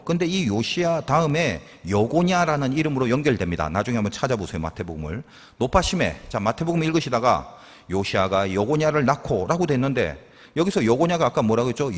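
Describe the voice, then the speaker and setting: A male pastor delivers a sermon in a relaxed, teaching way, posing questions to the congregation and answering them himself. His voice is husky and swings widely in pitch. The sound carries the long reverb of a church hall. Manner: conversational teaching with rhetorical questions and asides.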